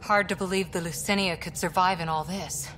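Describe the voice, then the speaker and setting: A woman's voice: fairly low pitch, steady tone, fairly quick, slight background noise, close to an everyday voice. A woman playing a determined soldier lieutenant. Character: tough female military lieutenant, driven and loyal. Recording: game audio with soft music behind.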